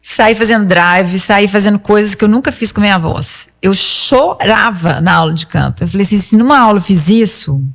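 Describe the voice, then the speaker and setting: A Brazilian woman speaks as a singer in a casual interview, recounting stories with emphasis and quoted dialogue. Her voice sits at an average pitch for a woman, and the recording carries a long, hall-like reverberation. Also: normal speed, hardly any pauses. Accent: Brazilian Portuguese.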